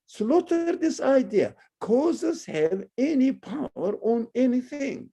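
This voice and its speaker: Man w as preaching in english, slow and mellow, pitch jumping all over. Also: breathy edge. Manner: animated, rhetorical questions, non-native phrasing. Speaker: Islamic teacher. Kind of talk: religious lecture.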